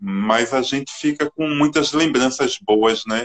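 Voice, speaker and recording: A man's very slow speech, dry and close with no echo. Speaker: live host, presenter of the channel. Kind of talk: casual live-stream hosting, talking to guest and audience. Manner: upbeat, friendly.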